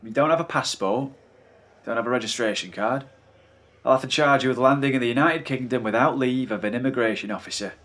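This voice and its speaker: An actor playing a stern, coldly official British immigration officer of the 1920s in an audio drama. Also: male voice, mid-range voice, a little fast, a bit bright, close to an everyday voice.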